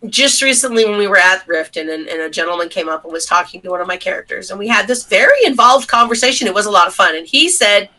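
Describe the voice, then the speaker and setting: A woman's voice: medium pitch, expressive, fast talker, hardly any pauses, pushed and bright. A woman co-hosting a casual podcast, talking in an exasperated, emphatic, grumbling way. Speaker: podcast co-host. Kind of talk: casual chat.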